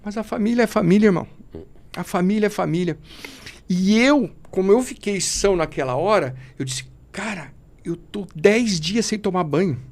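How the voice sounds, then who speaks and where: Guy on a podcast telling his testimony, kinda high voice, lots of vocal fry, preachy, keeps saying brother. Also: normal speed. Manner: fervent, preachy, often calls the listener brother. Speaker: podcast guest. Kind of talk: emotional testimony.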